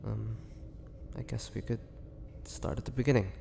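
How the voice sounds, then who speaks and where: A man playing a melancholy half-vampire, confiding his past slowly and haltingly in a dramatic audio roleplay monologue. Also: fairly low pitch, fairly even intonation, gravelly. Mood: brooding, confiding. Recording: long reverberant hall, faint noise.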